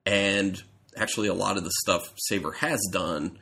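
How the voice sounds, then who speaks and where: A man's voice: low voice, moderate pace, creaky, pushed and bright. A man co-hosting a podcast in casual chat, his voice congested and stuffy from a cold, rambling and correcting himself as he goes. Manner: rambling, self-correcting storyteller. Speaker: podcast co-host.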